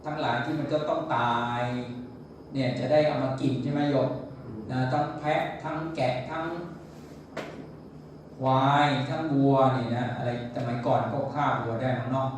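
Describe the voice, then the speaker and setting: A man's voice: fairly even intonation, normal speed, darkish tone. Male monk, storytelling sermon, echoey hall, distant mic, faint hiss. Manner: storytelling, quotes figures with shifts in pitch. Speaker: Buddhist monk.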